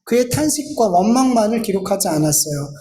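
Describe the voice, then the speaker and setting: High-voiced earnest male pastor preaching. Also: expressive, fairly quick, dark tone, reverberant, slight background noise. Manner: earnest preaching, acting out pleading prayers. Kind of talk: sermon. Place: church sanctuary.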